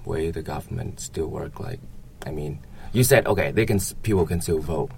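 A young man with a Vietnamese accent talks in an extremely low voice full of fry. He answers casually, hesitating and hedging as he goes. There is noticeable background noise in the recording. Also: moderate pace, darkish tone. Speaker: interviewee. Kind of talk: casual interview conversation.

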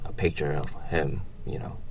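A man's voice: very deep voice, steady tone, normal speed, a little hiss or hum. A young man from Vietnam with a Vietnamese accent, giving casual, hesitant interview answers in colloquial English. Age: young adult. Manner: hesitant, colloquial, hedging with "you know". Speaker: interviewee, economics student.

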